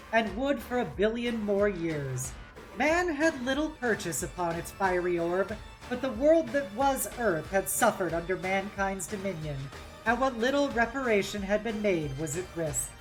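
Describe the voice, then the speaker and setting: A woman reads fiction aloud for a live audience online in a theatrical style. Her pace is slow and measured, and her pitch moves freely. Soft music plays underneath. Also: very animated, low-quality recording. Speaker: streamer reading aloud. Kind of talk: dramatic novel narration, live read-along.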